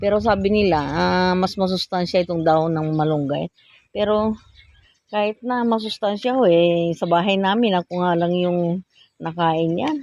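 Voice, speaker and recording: A woman speaks at a moderate pace with ordinary pitch variation and a normal speaking voice, the sound dry and close with no echo. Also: fairly low pitch for a woman. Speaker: vlogger. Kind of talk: casual vlog talk to camera while walking outdoors. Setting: outdoors.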